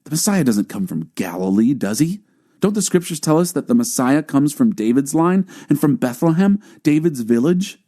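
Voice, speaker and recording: A man's voice: fairly high pitch, big pitch swings, normal speed, warm tone, voice pushed up. A man voicing puzzled, argumentative crowd members who question things in a dramatized scripture audiobook. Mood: arguing.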